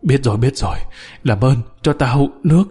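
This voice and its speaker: A man's voice: mid-range voice, animated, normal speed, warm tone, breathy edge. Man playing a wheezing dying old tyrant. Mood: cursing. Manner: wheezing, pleading, cursing. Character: dying old corrupt official, greedy and tyrannical, begging.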